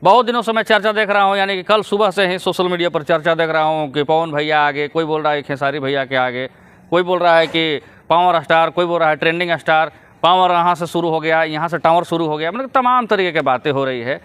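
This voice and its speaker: A man's voice: fairly high pitch, fairly quick, fairly bright tone, clean tone. A man giving casual vlog commentary, lecturing his viewers and chuckling between points. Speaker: YouTube commentator.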